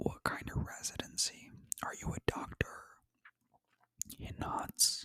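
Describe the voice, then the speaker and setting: A whisper at a fairly slow pace. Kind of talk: audiobook reading. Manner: whispered.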